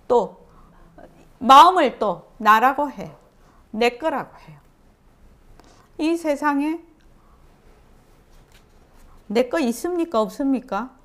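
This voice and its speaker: A woman's voice: high voice, a bit bright. A woman giving a meditation dharma lecture, posing questions to her listeners and answering them herself, repeating key phrases for emphasis. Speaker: Buddhist meditation teacher.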